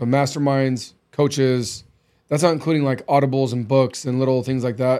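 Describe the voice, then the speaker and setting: Medium-pitched male speech with a dark, mellow tone. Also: moderate pace. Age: 30s. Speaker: podcast host and business coach. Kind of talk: casual interview chat. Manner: animated.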